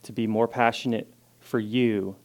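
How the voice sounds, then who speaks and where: Loud, casual man preaching. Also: lowish voice, steady tone, measured pace. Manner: loud, casual and self-deprecating, reads scripture with rising emphasis, prays softly. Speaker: guest preacher. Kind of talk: informal sermon with scripture reading and prayer.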